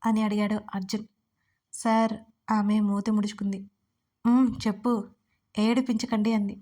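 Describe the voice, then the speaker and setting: Even-voiced woman telling a romance. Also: mid-range voice, moderate pace. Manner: even-toned reading, voicing both lovers' lines herself. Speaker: writer and narrator. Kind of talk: storybook narration.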